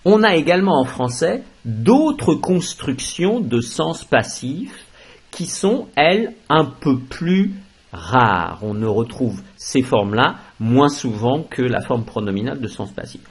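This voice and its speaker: A man teaching a French grammar lesson, explaining slowly and stressing key words, switching into English for translations. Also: medium pitch, sing-song, slightly rough, low-quality recording.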